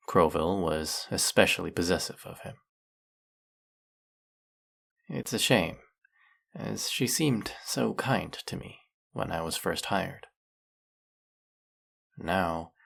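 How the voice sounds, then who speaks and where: A man acting in an intimate audio roleplay as a lonely, courteous, smitten snake-headed villain, soft-spoken and flirtatious with a creaky voice. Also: sits low, full character voice. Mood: wistful, confiding.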